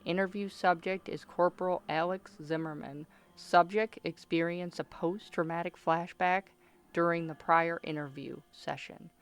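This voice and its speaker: A woman's voice: fairly low pitch, steady tone, normal speed, natural voice. A woman playing a controlled military doctor in a radio play, interviewing a patient in a formal, clinical, authoritative way. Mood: clinical, composed. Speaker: voice actor.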